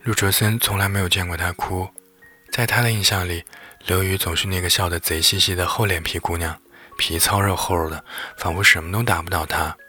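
A man narrating a lighthearted bedtime story in a gentle, lively way. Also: low voice, a little fast. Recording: faint background music.

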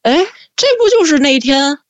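A woman telling a spooky family story in a lively, chatty way, drawing out her fillers. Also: high-pitched, moderate pace, no echo. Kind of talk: casual spoken storytelling.

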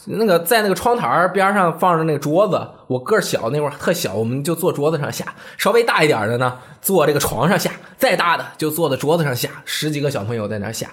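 A man's voice: a little high, fast, hardly any pauses. A man in his thirties from Hebei, China, co-hosting a casual chat podcast and telling stories with acted-out voices. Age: 30s. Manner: animated storyteller, acts out quoted voices. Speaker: podcast co-host.

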